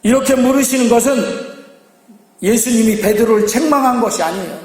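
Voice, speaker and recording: A man preaching a Sunday sermon as pastor, emphatic and lively, acting out quoted lines. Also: very high-pitched, a little fast. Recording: echoey church hall.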